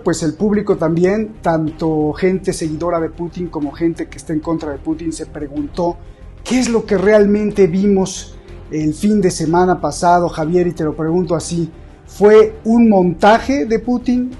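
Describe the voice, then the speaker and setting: A man's voice: high voice, mellow, slightly rough. A male host opening a news analysis show who throws a long string of questions at his guest. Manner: asks a long run of rhetorical questions.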